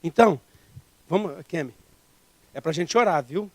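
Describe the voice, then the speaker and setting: A man's voice: on the high side, animated, normal speed, dry recording. A man preaching a sermon as pastor, emphatic and full of rhetorical questions.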